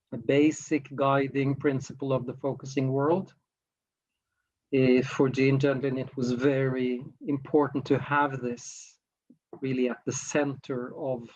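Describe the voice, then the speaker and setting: A man's voice: mid-range voice, muffled recording. A man from Norway, leading a workshop in a reflective, hesitant way and often searching for words. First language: Norwegian. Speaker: workshop facilitator. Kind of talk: slow reflective workshop talk.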